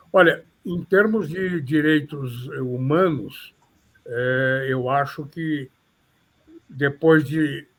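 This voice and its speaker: An older man speaks with a São Paulo Portuguese accent in slow, formal, somewhat florid sentences. He is a criminal defense lawyer answering interview questions thoughtfully. His voice sits slightly high for a man. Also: fairly bright tone. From São Paulo, Brazil.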